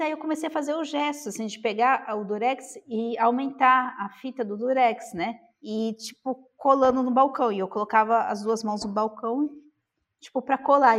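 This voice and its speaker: Woman from Brazil, casual anecdote, animated, acts out voices, slightly high voice. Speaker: storyteller.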